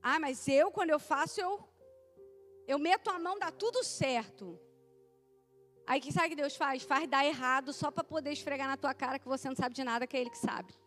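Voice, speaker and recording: A woman preaches a sermon in a high voice and talks straight to her listeners. She calls some of them by name and asks them to repeat her words. Soft music plays under her. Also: a little fast.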